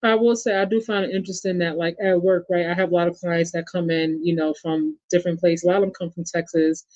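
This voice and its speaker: A man with a high, level, slightly mellow voice talks fast, with no room sound. He's a podcast host with a New York accent running a casual sports chat, calling his audience "y'all" and reading viewer comments aloud. The sound is dull and lo-fi.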